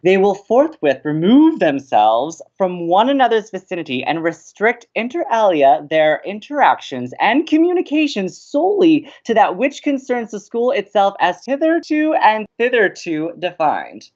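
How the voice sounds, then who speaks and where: A man's voice: high voice, sing-song, normal speed, few pauses, a little mellow, lo-fi sound. A man playing an earnest, dramatic young college radio host in an audio drama, wry and theatrical. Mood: declamatory, determined.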